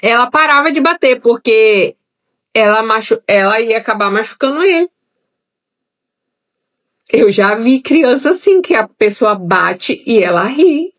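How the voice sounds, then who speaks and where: A young adult woman, a Bible teacher, leads a live-streamed Bible study conversationally, addressing her viewers directly. Her voice is fairly high-pitched, animated, and fairly bright, and she speaks a little slowly.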